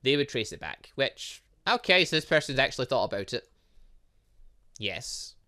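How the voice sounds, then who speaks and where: A man's voice: medium pitch, big pitch swings, normal speed, bright, forceful tone. A man hosting a gaming video, reading game dialogue aloud with chatty asides and sometimes stumbling over words. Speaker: gaming channel host.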